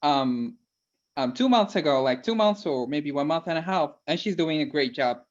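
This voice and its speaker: On a live lesson, this Algerian-accented man co-hosts in a casual, friendly way, hesitating often and using plenty of fillers. He speaks on the high side at a moderate pace with lively intonation, over dull, lo-fi call sound.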